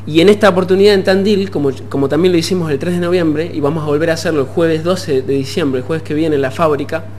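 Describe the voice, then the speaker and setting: A young Argentine man with a fairly high voice speaks as an interview guest. He explains things in halting phrases, with faint noise and hum behind him. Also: fairly even intonation, a little mellow. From Puerto Madryn, Argentina. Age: young adult. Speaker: musician guest. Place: TV studio. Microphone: desk gooseneck microphone.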